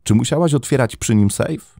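A man's voice: medium pitch, moderate pace, gravelly, dark tone, no room sound, studio quality, pitched above the performer's own voice, close to an everyday voice. A man voicing a blunt, suspicious young woman of twenty-four who accuses and urges in a crime story reading. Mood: accusing. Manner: accusing, urgent.

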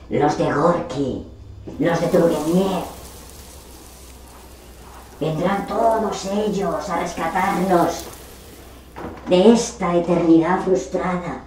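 A very echoey, distant recording of a stage monologue. A woman plays a forgotten literary character, indignant and sorry for herself, who laments slowly and melodramatically with dramatic pauses. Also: low voice, warm tone. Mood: wounded defiance. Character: forgotten, discarded literary character, bitter, self-pitying and indignant. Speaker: actor rehearsing a monologue. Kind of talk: theatrical monologue. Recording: distant mic, echoey room, faint noise.

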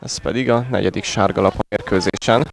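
A man's voice: fairly low pitch, creaky, background noise. A man giving conversational live football commentary in short calls, outdoors at a small ground.

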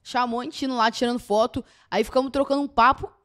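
A young man in casual chat, lively and joking, chiming in to tell his side of a story. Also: very high-pitched, fast talker. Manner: lively, laughing, chimes in and jokes. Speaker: podcast guest.

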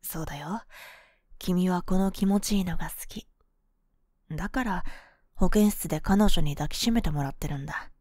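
A woman voicing a cool, boyish young woman, a possessive and sweetly manipulative lover, in an ASMR role-play of intimate pillow talk, soft, breathy and coaxing, close to the microphone. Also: on the low side, expressive, brisk, dry recording. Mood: soothing, hypnotic. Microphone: close microphone, dry.

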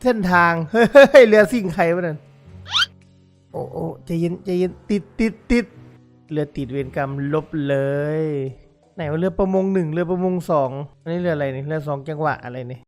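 Excitable high-voiced man gaming. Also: normal speed, music in the background. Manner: excitable, exclaims and laughs often, addresses viewers. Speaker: gaming YouTuber. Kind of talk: excited game commentary.

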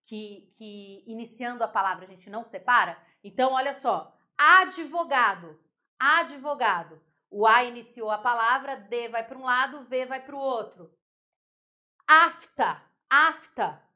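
Bright, high-voiced Brazilian teacher woman. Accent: Brazilian Portuguese. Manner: lively, explains step by step, asks the class if they follow. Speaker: Portuguese teacher. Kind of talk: online grammar lesson.

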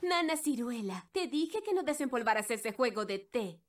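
A woman's voice: fairly high pitch, expressive, normal speed, recorded from a distance, a little hiss or hum, lightly acted. A woman voicing a regal fairy queen mother, stern but loving, in a children's cartoon, with a Latin American Spanish accent. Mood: stern, indignant. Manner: regal, theatrical.

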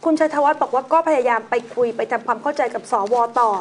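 A woman hosts a news talk show, reading out items and chatting about them in a relaxed, conversational manner. Her voice sits high and she talks fast.

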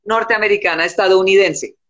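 A woman, answering calmly as a guest on a live video chat from home. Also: mid-range voice, brisk, dull audio. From born in the United States, raised in Colombia. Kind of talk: casual live-stream chat. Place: indoor room at home.

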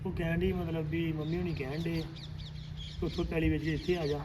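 A man's voice: a little high, level tone, brisk, close to an everyday voice. A man playing a troubled, subdued grown son. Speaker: married son. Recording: loud outdoor noise, birds and vehicles.

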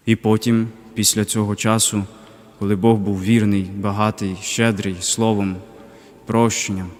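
A young man, a deacon, giving a reflective personal faith testimony in a halting way, pausing often. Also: fairly low pitch, little pitch movement, big-room sound. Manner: reflective, halting, with pauses and fillers. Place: cathedral parish.

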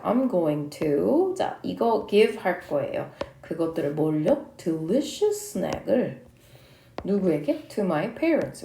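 Woman teaching English, lively voice. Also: mid-range voice, reverberant. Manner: reads English lines slowly, explains each in Korean. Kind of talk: English lesson, reading and translating dialogues.

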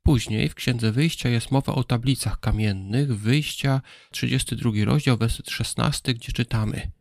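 Gravelly-voiced man explaining calmly. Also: medium pitch, dry recording, studio quality. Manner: calm explanatory, spells out letters slowly. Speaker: presenter of a Bible history program. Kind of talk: scripted educational narration.

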